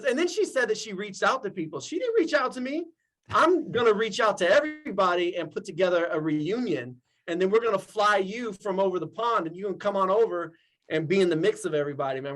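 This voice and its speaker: A man in his forties, a guest actor in a casual interview, talking with eager, animated energy and frequent laughter. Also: high voice. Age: 40s. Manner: excitable and animated, laughs often.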